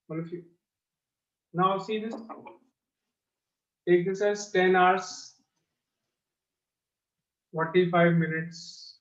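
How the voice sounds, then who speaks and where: A male maths teacher with a South Asian accent explains things step by step to his pupils, repeating his phrases. His voice is on the high side and fairly bright, captured in dull, echoey lo-fi class audio.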